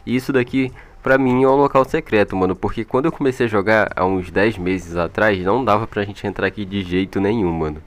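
With a fairly low pitch and a fairly quick delivery that leaves few pauses, a man narrates gameplay in a laid-back, slangy, chatty style. He's a Brazilian-accented gaming video creator using an old microphone, with music behind him.

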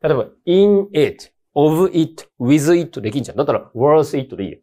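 Man, English teacher, casual exam-prep lecture, very animated pitch, emphatic, colloquial. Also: moderate pace, a little hiss or hum.

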